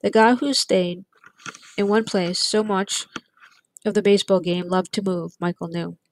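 A woman reading a chapter of a novel aloud, in steady, plain storytelling. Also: medium pitch, a little slow, a little hiss or hum. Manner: steady, plain storytelling with light character voices. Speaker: audiobook reader. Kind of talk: read-aloud narration.

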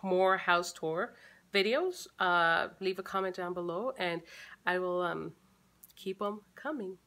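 A woman's voice: fairly low pitch, a little slow, bright, forceful tone. A woman in her thirties chatting casually to camera in her living room, thinking aloud with fillers and restarts. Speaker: family vlogger. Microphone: camera close in front.

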